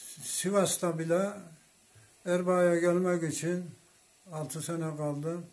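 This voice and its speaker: Speaking very slowly, a man with a fairly high-pitched voice keeps his intonation monotone and flat. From Tokat, Turkey; Turkey. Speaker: retired gendarmerie sergeant. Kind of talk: casual interview. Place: home room. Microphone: phone near.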